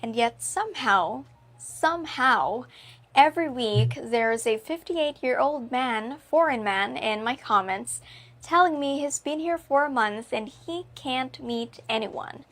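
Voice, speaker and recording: High-voiced woman narrating an advice video. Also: lively intonation, measured pace, fairly bright tone. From Philippines. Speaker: video channel host.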